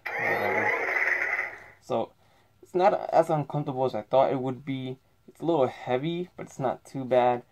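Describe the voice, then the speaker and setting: A man's voice: medium pitch, moderate pace, heavy background noise. A man giving a casual product review while wearing a closed helmet, speaking in a plain, easygoing way with some fillers. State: talking through a closed helmet.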